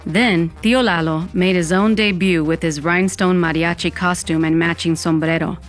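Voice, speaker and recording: A woman plays a wry Latina storyteller looking back on her teens. Her voice is fairly low, in scripted first-person narration with music underneath. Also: fairly even intonation, normal speed, lightly acted.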